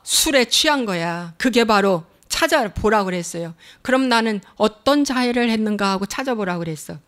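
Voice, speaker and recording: A woman's voice: medium pitch, lively intonation, moderate pace, a bit bright. A woman pastor preaching a sermon in a plain, conversational way, with emphatic, repeated rhetorical questions.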